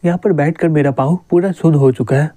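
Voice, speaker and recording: A man voicing a cheeky teenage schoolboy with x-ray vision who is quick to talk back, in a manga recap. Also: a little high, fairly even intonation, dark tone, dry recording, natural voice.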